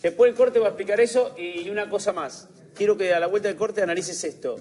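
A man with a Rioplatense Spanish accent hosting a TV panel, trying to calm things with hesitant fillers. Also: high-pitched, fast. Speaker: TV show host. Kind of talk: moderating a TV panel.

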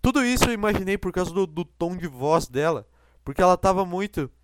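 A man's voice: high-pitched, brisk, noisy background. A young man hosting a podcast, telling a rambling, self-deprecating story with many restarts into a close mic. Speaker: podcast host. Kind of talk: casual monologue.

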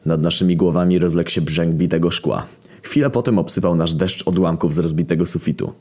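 Deep-voiced young man narrating a crude comedy story. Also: fairly even intonation, brisk, warm tone. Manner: brash, profane and sardonic.

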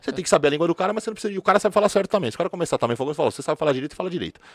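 A man races through his stories as a former police officer, full of slang and repeated filler words. His voice is medium in pitch and recorded close and dry, with no room sound. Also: lively intonation, very fast, dry recording. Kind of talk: casual podcast conversation.

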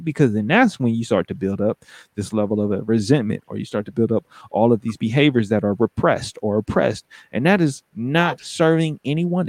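A man's voice: mid-range voice, darkish tone, no room sound. A man talking in a casual conversation, reflective and emphatic, with a coaching way of speaking.

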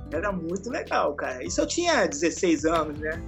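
A man's voice: fairly high pitch, creaky, soft background music. Laid-back Rio man in his forties. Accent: Rio de Janeiro Brazilian Portuguese. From Araruama, Rio de Janeiro state, Brazil. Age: 40s. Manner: relaxed, laughs often, drawn-out slang-filled storytelling. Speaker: podcast guest, skateboarder. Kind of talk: casual storytelling interview.

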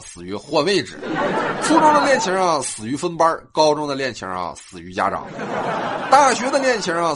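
A young man, hosting a comic storytelling monologue with a sing-song delivery and drawn-out particles. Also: a little high, background noise. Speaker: host.

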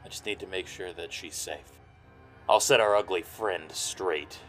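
A hard-luck private eye in a noir audio drama, gruff yet protective. His low voice is blunt and urgent, with music playing underneath. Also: measured pace, fairly bright tone, poor audio.

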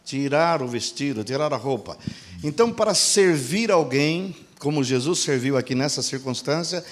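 A preacher man asking and answering. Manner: asks the congregation rhetorical questions and answers them; acts out quoted dialogue with shifts in pitch and pace. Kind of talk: sermon.

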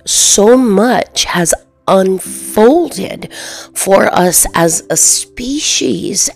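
A woman leads a guided meditation in a soft, soothing, partly whispered delivery with long pauses. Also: medium pitch, vocal fry, slightly rough. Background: soft background music.

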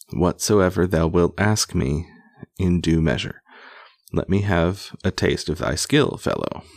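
Man acting a haughty storybook bishop, deep, gravelly, grand, archaic phrasing. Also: a little mellow, no room sound, clean studio sound. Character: pompous, haughty, jovial medieval bishop.

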